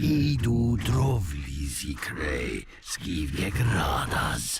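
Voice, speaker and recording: A man puts on a character voice, very deep, raspy and gravelly. He speaks very slowly with very wide pitch swings. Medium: tutorial demo.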